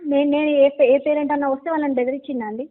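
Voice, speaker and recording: A woman's voice: high voice, steady tone, very fast. A middle-aged woman with a Telangana Telugu accent, a school principal protesting and repeating denials over a phone line. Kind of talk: defensive phone conversation. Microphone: telephone. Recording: tinny narrowband phone call.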